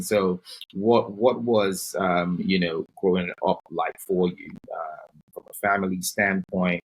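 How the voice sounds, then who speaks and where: Male podcast host, very low, husky voice; loose, filler-heavy questions. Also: poor audio. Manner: friendly, rambling, many fillers. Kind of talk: interview questions.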